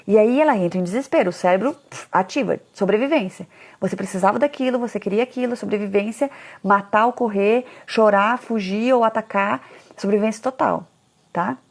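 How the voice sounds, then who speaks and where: A brisk, lively woman with slight vocal fry is a parenting educator talking casually to parents. She's animated, acting out parents' complaints in a high voice.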